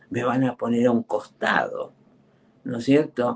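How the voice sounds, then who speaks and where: A man speaks at a fairly slow pace. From Argentina, Zárate, Buenos Aires province. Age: 70s. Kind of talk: interview, casual chat.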